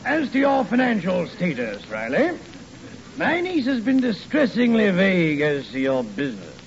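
A snooty posh uncle, swoopy high voice, old dull radio sound. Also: male voice, wildly swooping pitch, moderate pace, heavily acted. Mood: pompous. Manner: pompous, genteel. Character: stuffy upper-class older Boston uncle. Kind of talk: 1940s radio comedy acting. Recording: dull old radio recording, faint hiss.

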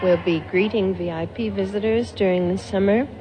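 A woman's voice: mid-range voice, steady tone, moderate pace, rough recording. A woman from Canada who works as an exhibition hostess, answering interview questions in a cheerful, forthcoming way. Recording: archival recording with chatter around. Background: crowd chatter.

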